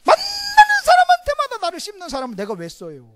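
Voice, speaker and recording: A middle-aged man with a Gyeongsang Korean accent preaching a sermon as pastor, switching between loud emphasis and hushed asides. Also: very high-pitched, wildly swooping pitch, fast talker.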